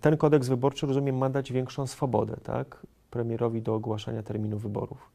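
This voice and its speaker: A man's voice: mid-range voice, little pitch movement, brisk, vocal fry, mellow. A middle-aged man hosting a TV studio interview, asking long, winding questions. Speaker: TV host. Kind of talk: political TV interview. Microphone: lapel mic.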